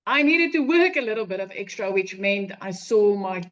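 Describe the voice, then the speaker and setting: A woman's voice: mid-range voice, animated, moderate pace, a bit bright. South African woman on lo-fi audio. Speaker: webinar guest.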